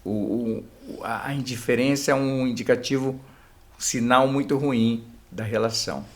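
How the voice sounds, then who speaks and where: A man's voice: mid-range voice, fairly even intonation, moderate pace. A middle-aged man with a Brazilian Portuguese accent, a couples therapist guest explaining things in a casual podcast chat, often tagging phrases with a filler. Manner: explanatory, many filler tags at phrase ends.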